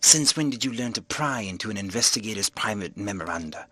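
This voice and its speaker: A man voicing a menacing, coldly threatening invisible man in an audiobook, hushed and commanding. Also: lowish voice, expressive, a little fast, slightly rough, dry recording, full character voice. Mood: cold menace.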